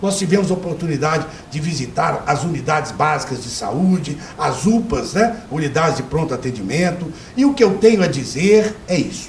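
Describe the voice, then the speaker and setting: A man's lively, fairly high-pitched voice, with noticeable background noise and audible room echo. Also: moderate pace. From Brazil, Minas Gerais (Belo Horizonte). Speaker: retired doctor and lawyer. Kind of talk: TV interview.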